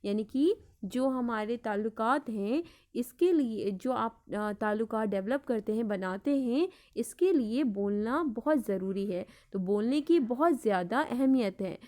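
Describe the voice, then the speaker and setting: A woman with an Indian Urdu accent teaching an online class, explaining slowly and repeating each point, with English words mixed in. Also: a little high, lively intonation, dark tone. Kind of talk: online lecture.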